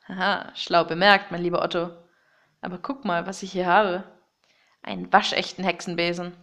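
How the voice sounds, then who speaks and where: A woman's voice: mid-range voice, fairly bright tone, natural voice. A woman voicing a menacing male sorcerer villain in a children's audio story, taunting and gloating. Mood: gloating, sly.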